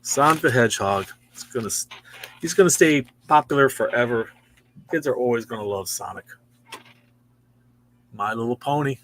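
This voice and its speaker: A man's voice: mid-range voice, animated, moderate pace, long pauses, background noise. A man in his sixties hosting a casual show-and-tell of new comics in a store, chatty and easily impressed. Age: 60s. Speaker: comic shop host.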